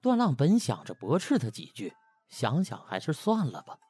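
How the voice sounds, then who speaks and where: A man's voice: fairly high pitch, huge pitch swings, moderate pace, warm tone, husky, no room sound, faint music behind. A man narrating a comic web-novel audiobook in a colloquial, dramatic storytelling style.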